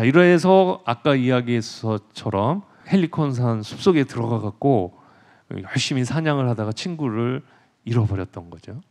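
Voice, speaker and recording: A male professor telling myths in a lecture, animated, acting out characters and asking the audience questions. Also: mid-range voice. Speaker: professor giving a public lecture.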